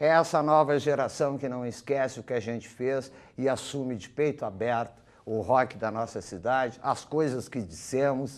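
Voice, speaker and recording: A man speaks at a medium pitch and a fairly slow pace, his intonation lively. The background is quiet. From Brazil, Rio Grande do Sul (Santa Maria). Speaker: rock musician, band singer. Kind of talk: TV interview.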